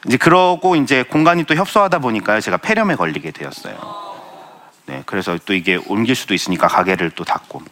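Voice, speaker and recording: Young male speaker, earnest testimony talk, bright tone, lively up-and-down delivery, lowish voice. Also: a little fast, a little hiss or hum. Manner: earnest, self-deprecating storytelling with light laughs. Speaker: Christian speaker sharing testimony.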